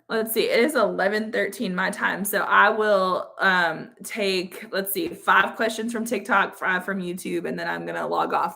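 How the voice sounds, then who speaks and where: A woman speaks at a medium pitch with an American accent. Noticeable background noise runs behind her. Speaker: AP English teacher and exam-prep creator. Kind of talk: live-stream Q&A. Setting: livestream on TikTok and YouTube. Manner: fast; casual, with many fillers.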